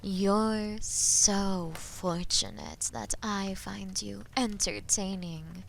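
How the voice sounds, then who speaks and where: An imperious female dragon, played by a woman, speaks at an extremely slow, deliberate pace. She is menacing and possessive, like a captor in a fantasy audio drama, and her phrases trail into breath. Faint noise sits behind the voice. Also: mid-range voice, creaky, rough recording. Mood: amused, condescending.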